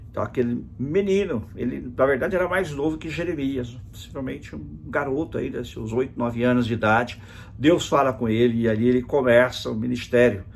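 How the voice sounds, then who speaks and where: A man's voice: mid-range voice, gravelly, a little hiss or hum. A man, teaching a virtual Bible study as a pastor, explaining a passage and reading verses aloud with emphasis.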